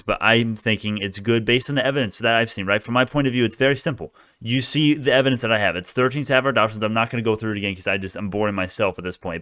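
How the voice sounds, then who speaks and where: A man's voice: lowish voice, sharp tone, clean tone, no echo, studio quality. A man giving casual stock market commentary as a video host, talking in a brash, informal, profane crypto-bro way.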